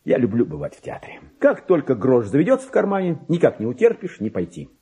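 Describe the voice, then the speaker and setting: A man's voice: mid-range voice, wildly swooping pitch, quick pace, dark tone, breathy edge, full character voice. An actor playing a vain, resentful middle-aged clerk in a radio play, pompous and exclamatory, as if muttering his diary to himself. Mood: pleased, musing. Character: petty forty-two-year-old male clerk, vain, resentful, self-important. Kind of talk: theatrical radio play monologue, diary read aloud.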